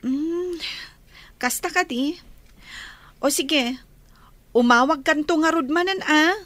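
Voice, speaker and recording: A woman's voice: sits high, takes it slowly, a bit bright, slight background noise. A woman voicing an earnest young woman who misses her sweetheart, in a radio drama.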